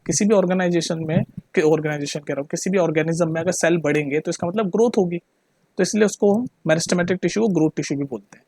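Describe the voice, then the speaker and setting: High-voiced chatty male teacher. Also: fast, darkish tone, dry recording. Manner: chatty, keeps checking the listener understands; mixes Hindi with English terms. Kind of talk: casual classroom explanation.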